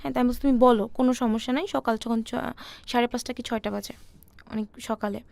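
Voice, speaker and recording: A young woman, telling her personal story softly and hesitantly with many fillers. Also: on the high side, steady tone, quick pace, creaky, dry recording. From Bangladesh. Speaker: interview guest.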